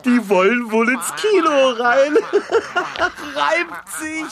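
Creaky, high-pitched drunk man. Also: very slow, crowd noise, heavily acted. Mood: tipsy, amused. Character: silly, amused drunk man out at night. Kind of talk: children's audio drama acting.

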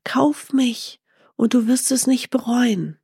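A woman voicing a small, clever talking gazelle in a storybook, speaking softly and persuasively. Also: medium pitch, measured pace, no echo, studio quality. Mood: gentle. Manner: soft, gently persuasive.

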